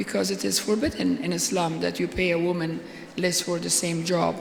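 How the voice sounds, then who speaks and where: A woman speaks over noticeable background noise, with audible echo from the room. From Afghanistan. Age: 60s. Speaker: political leader and activist. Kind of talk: onstage interview. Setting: stage with audience at conference. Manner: hesitant, many fillers.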